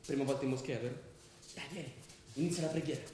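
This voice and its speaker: An actor playing a pragmatic Muslim believer, frank and instructive, in a theatrical radio drama. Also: male voice, fast, dark tone, lightly acted. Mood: guiding. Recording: very echoey stage, faint rumbling noise.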